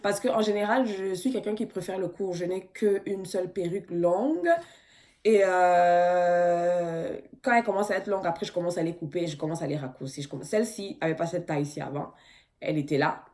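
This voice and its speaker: A woman's voice: on the low side, fairly quick, dark tone. Blunt young woman. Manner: frank, blunt, emphatic. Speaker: vlogger answering viewer questions. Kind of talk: casual Q&A vlog.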